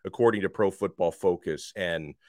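A man hosting a college football podcast, slightly hoarse, talking with emphatic energy that rises toward near shouts. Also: low-pitched, moderate pace, no room sound, studio quality. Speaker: sports podcast host. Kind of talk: college football talk with ad read. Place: radio studio.

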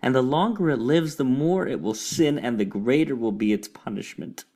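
A man's voice: medium pitch, normal speed, dark tone, voice pushed up, natural voice. A man voicing a sanctimonious, hypocritical white female cat in a storybook reading, talking in a sweetly preachy, cooing way. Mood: pitying.

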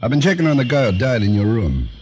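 An actor playing a gruff, dogged police lieutenant in a 1940s-style radio drama. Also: male voice, medium pitch, sing-song, quick pace, a little mellow, soft background music, natural voice. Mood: stern. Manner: gruff, warning.

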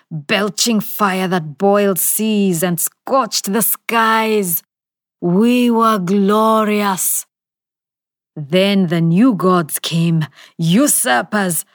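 A woman's voice: mid-range voice, dry recording, studio quality. A woman voicing an ancient nameless spirit. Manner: whispering, roaring, menacing. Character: ancient nameless male spirit, hateful and mocking.

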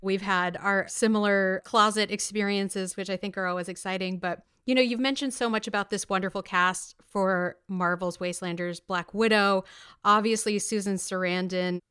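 A woman's voice: mid-range voice, steady tone, normal speed, a bit bright, smooth. A woman hosting an interview, asking conversational questions in an upbeat, complimentary way. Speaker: podcast interviewer, host.

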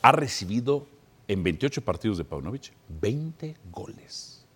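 Husky, lively male sports pundit. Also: fairly low pitch, unhurried. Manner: combative, mocking. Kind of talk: sports talk panel debate.

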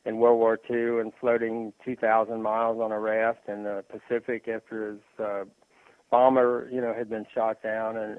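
A man talking sports on a radio show, halting and full of fillers and restarts. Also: mid-range voice, dry recording. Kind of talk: rambling sports talk on phone. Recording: tinny phone line.

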